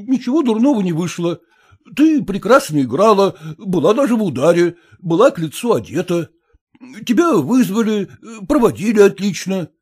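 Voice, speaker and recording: A man's voice: high voice, warm tone, slightly rough, pitched above the performer's own voice, heavily acted. A man voicing a middle-aged actor who earnestly soothes his upset wife.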